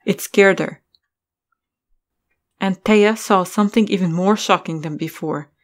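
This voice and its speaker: A woman's voice: on the low side, unhurried. A woman reading scripted story narration as the narrator of an audio drama.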